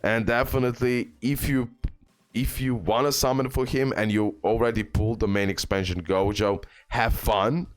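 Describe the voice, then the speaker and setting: Low-voiced man giving gaming advice. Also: clear, resonant tone. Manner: emphatic, repetitive, ends points with "okay?". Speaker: game video creator. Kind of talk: casual gaming advice commentary. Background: music.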